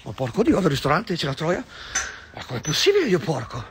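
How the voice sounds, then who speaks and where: A man, vlogging outdoors on a city street, agitated and swearing constantly, repeating himself with bursts of shouting. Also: a little high, wildly swooping pitch, fast, noisy background. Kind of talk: ranting street vlog.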